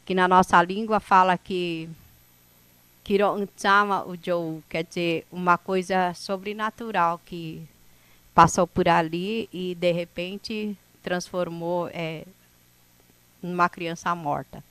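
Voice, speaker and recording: Unhurried Indigenous Brazilian woman. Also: lowish voice, steady tone, fairly bright tone, smooth, no echo, poor audio. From São Paulo coast, Brazil. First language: a Brazilian indigenous language. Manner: unhurried, conversational, with frequent "né?" tags and restarts. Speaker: indigenous speaker at an event. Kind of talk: personal life story told to an audience.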